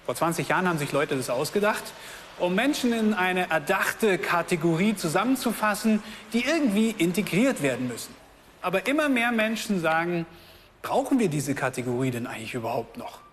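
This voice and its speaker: Lively, high-voiced German host. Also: male voice, a little fast, a little hiss or hum. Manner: lively, chatty, laughs easily. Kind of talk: street reportage and casual interviews. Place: outdoors in a city centre.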